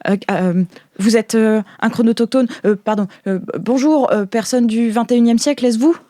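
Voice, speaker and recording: A woman's voice: a little high, moderate pace, mellow, dry recording, studio quality, natural voice. A woman voicing a hesitant, polite and helpful man from a clandestine resistance group in an improvised science-fiction game, stammering as he speaks. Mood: flustered, polite.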